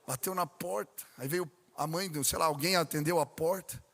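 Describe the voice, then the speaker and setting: Brazilian pastor preaching in a reverberant church. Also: male voice, on the high side, moderate pace, creaky. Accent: Brazilian Portuguese. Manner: animated storytelling with questions to the congregation. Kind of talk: sermon. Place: church sanctuary. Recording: long reverb in a large church hall.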